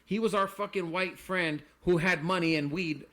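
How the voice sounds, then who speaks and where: Skater guest in his forties, somewhat high, bright voice, loose slangy storytelling. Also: normal speed. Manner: animated storytelling with heavy slang and swearing. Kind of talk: casual podcast chat.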